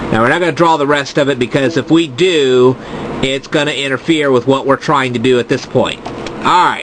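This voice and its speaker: A man with a fairly high pitch talks at very even loudness and with fairly even intonation against noticeable background noise. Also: moderate pace. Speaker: math teacher. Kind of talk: tutorial. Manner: halting, self-correcting.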